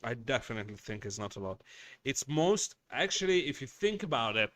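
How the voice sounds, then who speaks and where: A man's voice: mid-range voice, big pitch swings, fairly quick, fairly bright tone, no room sound, studio quality. A man hosting a casual livestream, chatting with viewers, reading their messages and swearing bluntly as he rambles. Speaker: livestream host.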